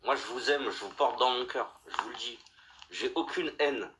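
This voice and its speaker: A man's voice: medium pitch, normal speed, a bit bright, slight background noise. A young man from France hosting a livestream, talking in a fired-up, rambling way with lots of restarts and fillers. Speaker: livestream host. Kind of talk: casual livestream chat.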